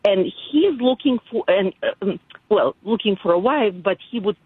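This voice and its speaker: An older woman born in Ukraine with an Eastern European accent, calling into a radio show and speaking haltingly with many fillers. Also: mid-range voice, expressive, slightly rough, dry recording. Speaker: radio caller. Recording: tinny phone line on old radio broadcast.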